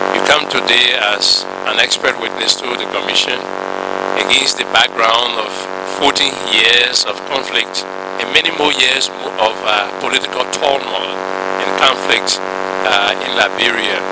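Amid loud background noise, a man talks at a fairly slow pace with ordinary pitch variation and long, frequent pauses, in a dry sound with no echo. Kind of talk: formal address. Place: hall. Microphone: podium.

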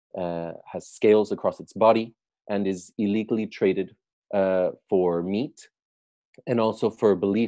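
A man's dark, mellow voice, fairly low in pitch with ordinary variation, at a very slow pace, dry with no echo against a quiet background. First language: English (speaking Indonesian). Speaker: conservation scientist. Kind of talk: lecture. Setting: video call. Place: home room. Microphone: video call.

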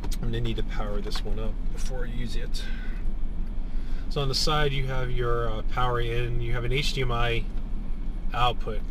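A man speaks at a moderate pace over noticeable background noise. The sound is dry with no echo. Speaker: product reviewer. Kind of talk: product review talk. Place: car. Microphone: camera far.

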